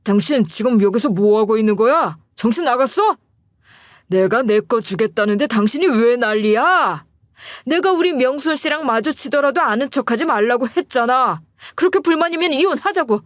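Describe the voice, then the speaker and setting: A woman voicing an arrogant middle-aged husband who shouts defiantly at his wife. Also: a little high, expressive, normal speed, dry recording, studio quality, voice pushed up, lightly acted.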